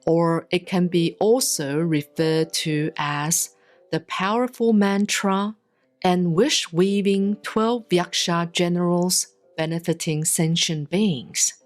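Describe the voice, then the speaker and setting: A woman reads Buddhist scripture as a monastic, in a solemn, measured and deliberate scripted style with pauses between phrases. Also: fairly low pitch, steady tone. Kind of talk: solemn scripted sutra recitation, audiobook-like reading. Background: soft plucked guitar-like music.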